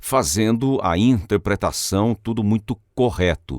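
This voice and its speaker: A man's fairly low voice with vocal fry and lively intonation at a fairly slow pace, in a very clean recording with a silent background and a dry, close sound with no echo. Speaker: veteran advertising and news voice-over announcer. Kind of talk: interview answer.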